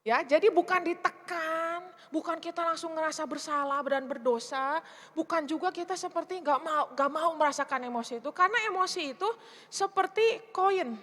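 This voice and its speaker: Middle-aged woman church speaker, high bright voice, conversational sermon, long hall reverb. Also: moderate pace. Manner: lively, chatty, keeps asking the congregation questions.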